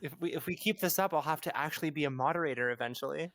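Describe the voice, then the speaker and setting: A woman's voice: sits low, racing, a bit bright, dry recording, studio quality. A trans woman co-hosting a podcast, chatty and jokey, with a light Californian accent. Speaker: podcast co-host. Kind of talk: casual chat.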